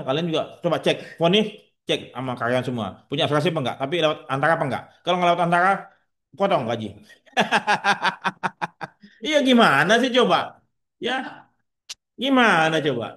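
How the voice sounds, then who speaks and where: A man's voice: on the high side, a bit bright. A man giving a classroom lecture to insurance staff, posing rhetorical questions and answering them himself, with frank, joking asides. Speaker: insurance trainer.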